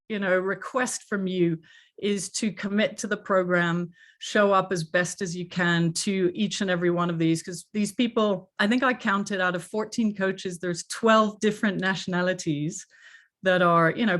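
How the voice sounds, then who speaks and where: A middle-aged woman with a mixed international English accent that is hard to place, hosting an online workshop as a coach in an earnest, chatty way with many fillers, speaking over a video call. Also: lowish voice.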